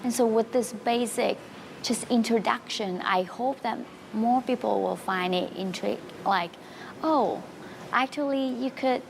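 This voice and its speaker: Woman artist, Vietnamese first language, gravelly, searching answers, noisy location. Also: a little high, measured pace. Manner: searching, uses fillers like "like". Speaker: artist interviewee. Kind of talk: casual interview answers.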